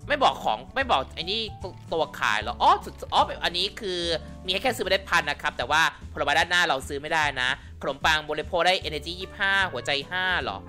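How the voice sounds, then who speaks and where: A man hosting a gaming channel, giving chatty let's-play commentary and thinking out loud. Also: on the high side, lively intonation, fast talker, hardly any pauses, faint music behind. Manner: chatty, giggly, thinking aloud.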